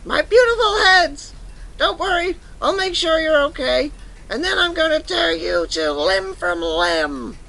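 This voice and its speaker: Wicked, vain young-royal villainess for fantasy audio play; extremely high, sharp voice, theatrical menace. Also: female voice, sing-song, measured pace, gravelly, heavily acted, rough recording. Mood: menacing. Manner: gloating, threatening, theatrical. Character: evil vain scheming princess wearing a wicked witch's head. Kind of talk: audio drama acting.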